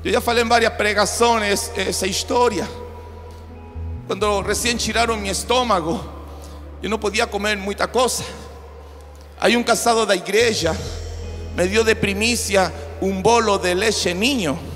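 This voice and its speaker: A male pastor with a Brazilian Portuguese accent, preaching in Spanish as a second language, with shouted declarations and joking storytelling. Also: high voice, fairly even intonation, a little slow, long pauses. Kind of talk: charismatic preaching. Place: church hall. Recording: reverberant church hall with music.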